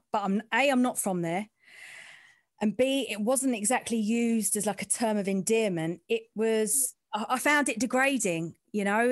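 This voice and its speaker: A sports reporter from London's East End, a woman with an East London, Essex-like twang, speaks frankly and informally in a candid conversational interview, with a working-class way of talking. Her voice is a little high, captured studio-quality with no room sound.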